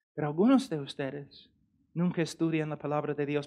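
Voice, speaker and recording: Spoken with an English accent, the delivery keeps a fairly even intonation. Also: man. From US Midwest, Illinois. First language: English (speaking Spanish). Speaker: preacher. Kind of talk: sermon.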